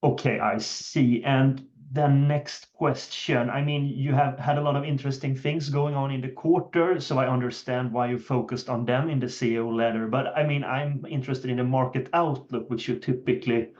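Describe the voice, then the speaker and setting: A man's voice: mid-range voice, steady tone, normal speed, hardly any pauses, a little mellow. A man asking conversational questions as a financial analyst on an earnings call. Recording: dull, lo-fi call audio.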